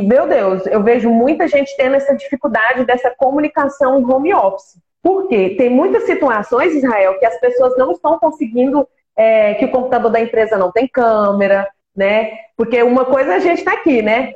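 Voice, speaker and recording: A woman's voice: high voice, a little fast, few pauses, darkish tone, reverberant, highs cut off. A woman with a Brazilian Portuguese accent hosting an interview, chatty and enthusiastic. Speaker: interviewer host. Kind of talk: casual interview chat.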